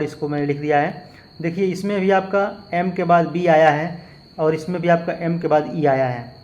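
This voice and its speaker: A man's voice: on the high side, a little mellow, dull audio. A man teaching a lesson, patiently explaining and spelling out words letter by letter. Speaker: English teacher. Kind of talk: spoken lesson with spelled-out examples.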